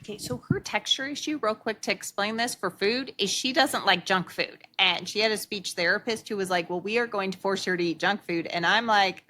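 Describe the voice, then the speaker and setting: A woman co-hosting a casual chat, jumping in briskly to explain things. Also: medium pitch, bright, forceful tone.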